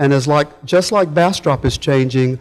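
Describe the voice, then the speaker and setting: A man talks with an American accent at a moderate pace. His fairly high pitch comes in an ordinary speaking voice. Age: 60s. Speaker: political candidate. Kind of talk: candidate forum closing statement.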